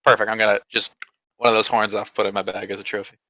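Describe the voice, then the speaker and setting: A man's voice: fairly low pitch, little pitch movement, very fast, sharp tone, no echo. A man playing a tabletop role-playing game, describing his moves in casual, slangy chat.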